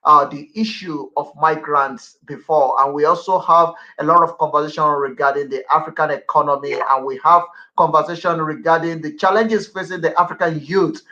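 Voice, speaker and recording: A man's voice: fairly high pitch, fairly even intonation, moderate pace, pushed and bright, dull audio. A man hosting an online radio interview show, talkative and prone to repeating himself. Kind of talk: broadcast interview.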